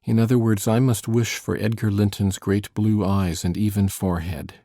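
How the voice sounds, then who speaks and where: A woman reading an audiobook voices Heathcliff, a sullen, brooding teenage boy, speaking slowly, low and gruff. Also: fairly even intonation, mellow, no room sound, clean studio sound. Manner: slow, gruff, low and sulky.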